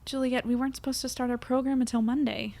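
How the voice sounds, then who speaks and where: A woman's voice: high-pitched, fairly even intonation, fast talker, vocal fry, a little mellow. A woman playing an anxious, self-doubting young newspaper editor, narrating and chatting wryly in an audio drama. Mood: awkward, exasperated. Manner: wry, melodramatic, conversational. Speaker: narrator and lead character.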